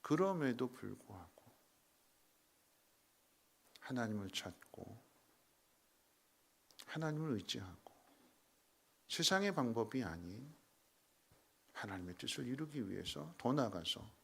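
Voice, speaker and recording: A man preaching a sermon in a church, dramatic, with sudden loud emphatic peaks and rhetorical questions to the congregation. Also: mid-range voice, big pitch swings, slow pace, creaky, pauses often, slightly rough. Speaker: pastor. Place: church sanctuary.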